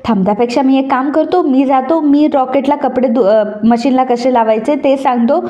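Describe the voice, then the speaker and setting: Woman reading as an eager young husband who keeps pressing for answers; high, soft tone. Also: moderate pace, highs cut off, natural voice. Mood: impatient. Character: young husband, impatient and curious.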